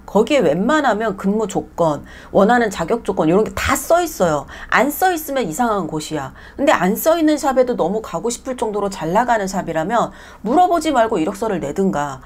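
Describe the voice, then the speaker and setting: A woman who owns a nail salon, ranting bluntly and with exasperation in a casual vlog monologue, mixing polite and plain speech. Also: mid-range voice.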